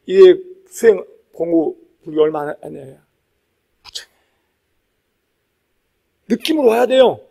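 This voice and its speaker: A male Buddhist monk delivers a dharma talk in a high-pitched voice. His intonation rises and falls dramatically as he urges his listeners on. He repeats key phrases and leaves pauses for emphasis. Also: expressive, gravelly, dark tone. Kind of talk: sermon to a live congregation.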